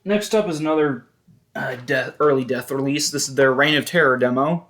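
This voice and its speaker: A man's voice: mid-range voice, a bit bright, a little hiss or hum. A man giving a casual, hesitant show-and-tell commentary as a collector, often stopping to correct himself. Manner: halting, hesitant, self-correcting. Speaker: music collector vlogger.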